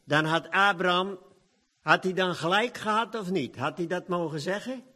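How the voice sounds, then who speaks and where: A man preaching a lively sermon, acting out the quoted dialogue of the gospel scenes and often laughing. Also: sits high, normal speed.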